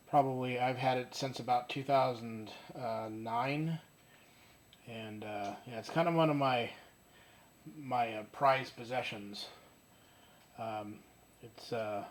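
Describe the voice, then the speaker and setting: A man casually showing his old radio at home, talking haltingly with lots of fillers and restarts. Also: medium pitch. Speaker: radio collector demonstrating his radio. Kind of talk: casual show-and-tell. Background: faint music from the radio.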